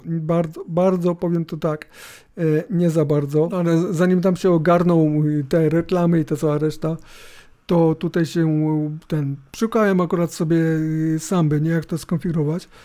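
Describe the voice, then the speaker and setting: Mellow, higher-pitched man over fan hiss. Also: little pitch movement, normal speed. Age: middle-aged. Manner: informal, rambling, hesitant, with tag questions. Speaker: host of a tech review video. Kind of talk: casual, unscripted screencast commentary. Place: indoors at a computer. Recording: hissing laptop fan noise. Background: laptop fan hum.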